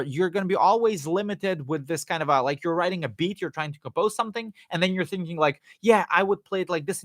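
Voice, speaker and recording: A man hosting a live Q&A, answering viewer questions in a loose, rambling way with fillers and restarts, his voice going hoarse. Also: a little high, a bit bright, dry recording, studio quality. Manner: rambling, many fillers and restarts, jokey asides. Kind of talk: casual live-stream Q&A, reading and answering chat questions.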